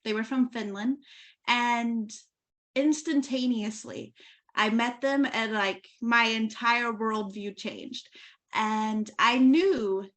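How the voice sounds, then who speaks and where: Woman hosting a podcast, kinda high voice, earnest, lots of "like". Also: slow pace, a bit bright. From USA, Oklahoma. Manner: earnest, personal, with frequent "like" and restarts. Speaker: podcast host. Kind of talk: conversational podcast interview.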